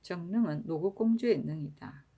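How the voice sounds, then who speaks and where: Low-voiced woman reading old annals. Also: lively intonation, moderate pace, creaky, warm tone, husky. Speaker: reader of historical records. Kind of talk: reading historical annals aloud.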